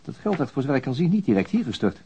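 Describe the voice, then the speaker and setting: An actor playing a terse, inquisitive chief inspector in a radio drama, asking short probing questions on a slightly muffled recording. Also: male voice, medium pitch, sing-song, very fast, dark tone, slightly rough, exaggerated voice.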